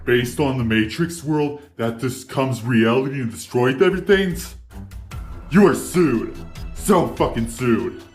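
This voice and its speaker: A man's voice: medium pitch, animated, unhurried, a little mellow, soft background music, natural voice. A man voicing a crude, sarcastic, grumbling adult in a fan-made cartoon parody dub.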